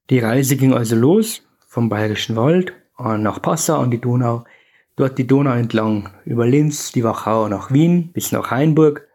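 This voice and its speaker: A man in his fifties from Bavaria, calmly telling a personal story from his youth on a podcast. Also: medium pitch, breathy edge. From Bavaria, Germany. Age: 50s. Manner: calm, measured recollection.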